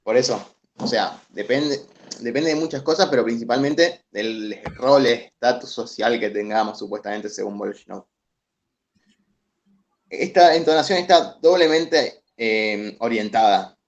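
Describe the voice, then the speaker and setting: A man's voice: lowish voice, steady tone, normal speed. A young man with an Argentine accent explaining a reading to classmates over a video call, hesitant, with many fillers and restarts. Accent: Argentine Spanish. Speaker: student presenter. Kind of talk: online study session explanation. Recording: dull lo-fi video call audio.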